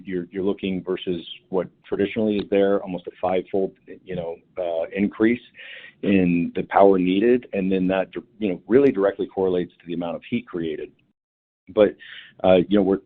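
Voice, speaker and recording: A low, husky-voiced man explains his company's plans on a conference call and keeps restarting his sentences. The sound is thin and narrow, like a phone line. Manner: halting, many restarts and fillers. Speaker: company executive answering analyst questions. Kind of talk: earnings call answer.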